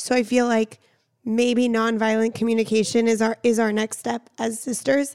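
A woman with an American accent, fairly high pitch and monotone, flat intonation. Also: moderate pace. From California, US West Coast. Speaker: podcast host. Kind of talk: casual chat.

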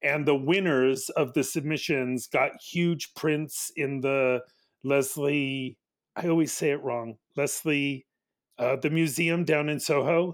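A man with an American accent and fairly high pitch, speaking at a very slow pace with fairly even intonation, very cleanly recorded against a silent background. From Northern California (Walnut Creek). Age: 50s. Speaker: podcast guest, LGBTQ community member. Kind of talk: casual chat.

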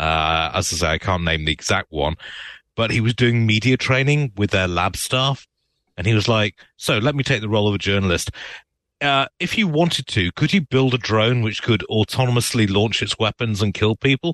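With a British accent, a man speaks in a fairly low voice with lively intonation. The sound is dry and close with no echo, over a quiet background. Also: moderate pace. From Britain. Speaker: tech journalist. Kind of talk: casual chat.

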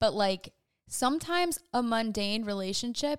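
A woman with an American accent is heard in a very clean recording with a silent background and a dry, close sound that has no echo. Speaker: podcast host. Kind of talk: casual solo chat. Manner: fast; animated.

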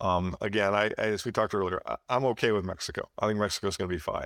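An ordinary speaking voice from a man with a fairly low pitch and fairly even intonation comes at a fairly quick pace, recorded very cleanly against a silent background in a dry, close sound with no echo. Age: 60s. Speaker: investor focused on precious metals. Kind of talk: interview about investing.

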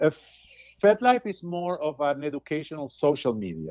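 A man with a Latin American accent talks at a moderate pace. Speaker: caller. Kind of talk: casual chat. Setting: phone call. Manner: halting.

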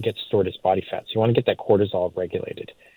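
A man with a fairly low voice for his sex speaks with ordinary pitch variation in an unremarkable speaking voice. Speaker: health product specialist. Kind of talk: sponsored product talk.

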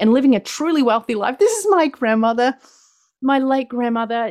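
Her New Zealand accent clear, a woman speaks in an animated tone at a fairly high pitch with lively intonation. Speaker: motivational speaker. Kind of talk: keynote presentation. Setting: live conference talk streamed on Zoom.

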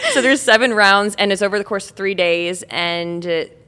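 A woman's speech, moderate in pace with ordinary pitch variation, sits over noticeable background noise. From Michigan, US Midwest. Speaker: wife of a pro football player, content creator. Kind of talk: casual interview chat.

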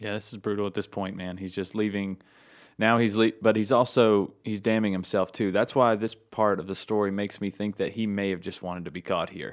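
A fairly low-pitched man with an American accent talks at a fairly quick pace with monotone, flat intonation, on a very clean recording with a silent background. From North Carolina. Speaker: true crime podcast co-host. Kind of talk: casual chat.

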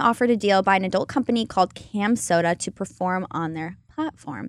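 In a very clean recording with a silent background and a dry, close sound with no echo, a woman speaks at a moderate pace with lively intonation. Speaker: podcast co-host. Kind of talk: casual chat. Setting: studio. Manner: relaxed.

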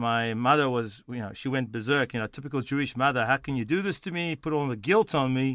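Talking at a very fast pace, a man with an Australian accent uses a medium pitch and ordinary pitch variation. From South Africa, then Sydney, Australia. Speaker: company executive. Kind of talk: interview. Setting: remote call.

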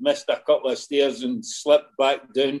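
A man's fairly high voice with a Scottish accent. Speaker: former team liaison officer. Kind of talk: casual chat.

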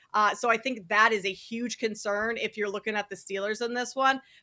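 This woman has a bright, sharp tone. She speaks with an American accent. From Minnesota. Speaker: sports betting analyst. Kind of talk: casual chat.

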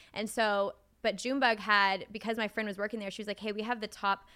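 A woman with an American accent at a very fast pace, medium pitch, monotone, flat intonation and a bright, sharp tone, on a very clean recording with a silent background. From Texas, Dallas. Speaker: wedding photographer. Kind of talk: casual chat.

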